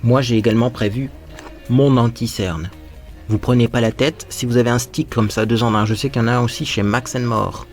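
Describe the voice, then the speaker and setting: A man's voice: medium pitch, steady tone, brisk, soft background music. A man hosting a casual makeup tutorial, chatting playfully to viewers while he applies his makeup and dropping in little sound words.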